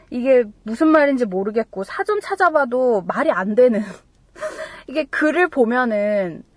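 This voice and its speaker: A woman teaching English vocabulary, reading example sentences very slowly and clearly, with chatty asides. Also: fairly high pitch, no echo. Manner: chatty asides with little laughs. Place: staying in Hawaii.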